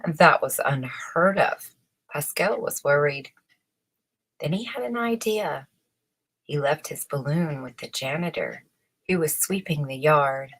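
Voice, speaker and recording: Low-pitched, slow, husky woman storyteller. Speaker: storyteller reading a children's book aloud. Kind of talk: storybook narration.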